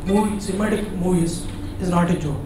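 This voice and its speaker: High-pitched male reporter, very echoey. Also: fairly quick. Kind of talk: press conference question. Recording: very echoey hall, distant, noisy.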